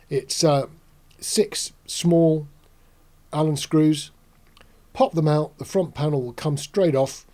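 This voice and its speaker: Mellow older man, reflective talk. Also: a little high. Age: 60s. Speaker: host. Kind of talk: casual explanatory talk to camera. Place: small indoor studio.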